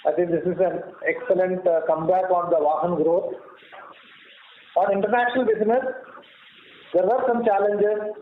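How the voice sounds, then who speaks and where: A man with an Indian accent, a company executive giving formal, measured prepared remarks on an earnings call, stumbling now and then. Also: high-pitched. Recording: muffled, echoey conference call line with noise.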